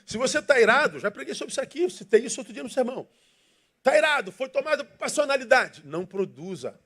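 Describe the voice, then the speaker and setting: Pastor guy preaching, pretty high voice, keeps throwing questions at the church. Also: expressive, quick pace, fairly bright tone. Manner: emphatic and rhetorical, asking questions and leading the congregation in reading. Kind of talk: sermon.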